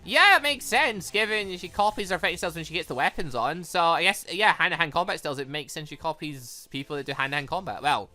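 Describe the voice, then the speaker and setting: An excitable gaming YouTuber reading a visual novel aloud and commenting on it in an animated, exclaiming manner. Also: mid-range voice, quick pace, few pauses. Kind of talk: let's play commentary mixed with reading dialogue aloud. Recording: music behind the voice. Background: video game music.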